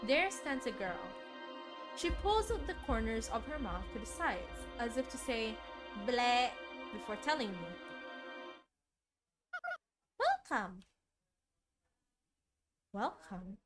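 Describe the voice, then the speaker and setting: Expressive high-voiced woman narrating a story over music. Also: slow, long pauses. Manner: expressive, dramatic read-aloud with casual asides. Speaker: game streamer reading a visual novel aloud. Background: game music.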